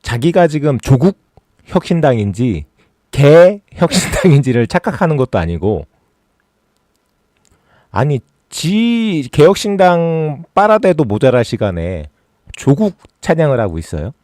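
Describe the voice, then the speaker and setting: A man hosts a political livestream in a sarcastic, mocking tone that builds into exasperated rants. His pitch swings widely as he talks, and the sound is dry and close with no room in it. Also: sing-song, a little slow, darkish tone, no room sound. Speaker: political YouTube host. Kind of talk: casual political commentary livestream.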